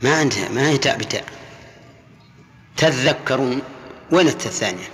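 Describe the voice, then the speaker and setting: An older man with a Saudi Arabic accent teaching a classroom lesson, quizzing students by name in a brisk, probing way. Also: medium pitch, animated, a bit bright. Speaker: sheikh teaching Quran exegesis. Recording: long hall reverb.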